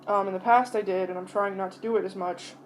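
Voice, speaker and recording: A woman talks casually to her audience during a meal, in an average-pitched voice. She rambles and pauses to chew between bites. Her wording is blunt and peppered with swearing, and faint noise sits behind the recording. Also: fairly even intonation, rough recording. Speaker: mukbang vlogger. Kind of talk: casual rambling chat to viewers while eating.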